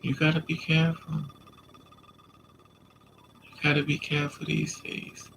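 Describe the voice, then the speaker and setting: A man's voice: on the high side, a little slow, gravelly, slight background noise, poor audio. A man with a stuffy nose from a coming cold, chatting casually on a live stream and answering viewers' comments. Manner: relaxed, chatty, talks back to commenters.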